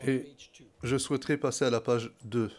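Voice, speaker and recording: Guy interpreting a courtroom live, says who's talking before each bit, steady mid voice. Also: medium pitch, moderate pace. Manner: names each speaker before rendering their words. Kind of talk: simultaneous interpretation of a court hearing.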